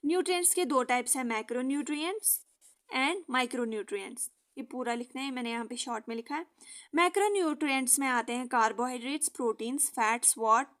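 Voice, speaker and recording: High-voiced woman teaching an exam lesson. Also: fairly bright tone. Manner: repeats "ठीक" as a check-in, mixes English terms into Hindi. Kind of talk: casual explanatory lesson.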